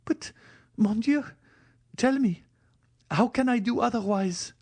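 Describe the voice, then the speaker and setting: A man putting on a despairing young woman, high and pleading. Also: takes it slowly, a little mellow, heavily acted.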